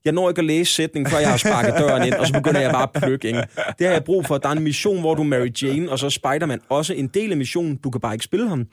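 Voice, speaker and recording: Dry-sounding man in animated game chat. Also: on the high side, few pauses, no room sound. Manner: animated, jokey, acts out quotes with laughs. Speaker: podcast host. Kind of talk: casual chat about video games.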